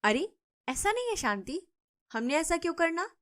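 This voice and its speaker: A woman voicing a gentle, worried older mother-in-law who answers softly and defensively in a cartoon story. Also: very high-pitched, sing-song, normal speed, pitched above the performer's own voice, full character voice.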